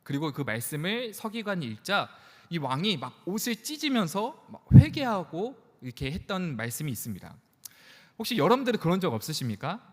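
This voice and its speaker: A man's voice: a little high, very animated, fairly quick. A man in his thirties, a pastor preaching to young adults in a conversational, joking way, in a church. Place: church sanctuary. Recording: church hall reverb.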